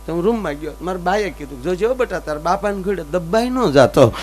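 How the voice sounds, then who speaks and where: ઊંચા અવાજવાળો, જોશીલો હાસ્ય કલાકાર પુરુષ, પાછળ હમ. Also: male voice, high-pitched, fairly quick. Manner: animated storytelling, acts out both sides of dialogues. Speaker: folk comedian. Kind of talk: Gujarati stage comedy storytelling.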